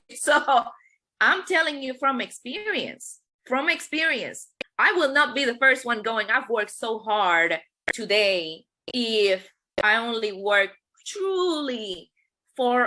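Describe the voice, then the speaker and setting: Speaking very slowly in a Spanish accent, a woman uses a bright, sharp tone with very wide pitch swings. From Puerto Rico. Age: 40s. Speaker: life insurance agent and trainer. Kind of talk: training presentation.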